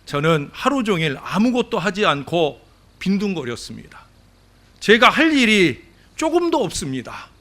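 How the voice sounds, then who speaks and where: A moping, insolent devil who whines that he has nothing to do, as a preaching man puts him on. The voice climbs above the speaker's usual pitch and swings widely from line to line. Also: sing-song, normal speed, a bit bright. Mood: moping, whiny. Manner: whining complaints, then arrogant muttering. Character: sulky, bored, insolent male devil.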